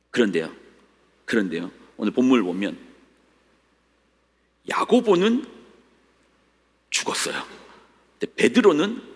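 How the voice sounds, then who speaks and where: A middle-aged senior pastor with a medium-pitched, slightly breathy voice preaches a sermon in a church sanctuary, with the long reverb of a church hall. He dramatically voices the complaints of the faithful in rising cries.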